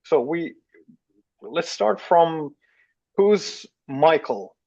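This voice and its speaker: A man in his thirties hosting a podcast interview, speaking in a hesitant, halting way with frequent repeats. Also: on the high side, animated, vocal fry, a little mellow, dry recording, dull audio. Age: 30s. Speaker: podcast host. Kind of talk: casual interview talk.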